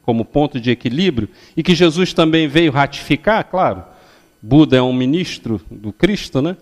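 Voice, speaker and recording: Giving a public religious talk, an older man lectures at a spiritist center, standing and gesturing in the hall. He speaks at a moderate pace in a slightly high, expressive voice, teaching step by step and frequently ending phrases with questions to confirm listeners are following.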